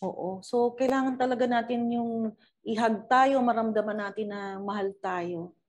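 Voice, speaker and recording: A woman's voice: on the high side, unhurried. A woman co-hosting a Christian radio program, reflectively responding to a guest with a personal memory. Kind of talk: radio talk show hosting.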